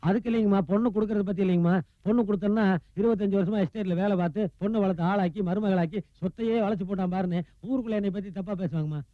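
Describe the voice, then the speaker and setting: An actor playing a fawning, wailing comic servant. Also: male voice, high voice, rapid-fire, no room sound, narrow, tinny audio, natural voice. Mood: pleading. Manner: wailing, theatrical self-abasing. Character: fawning comic male estate servant, melodramatic. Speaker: loyal servant of a rich widow. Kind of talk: 1990s film comedy acting.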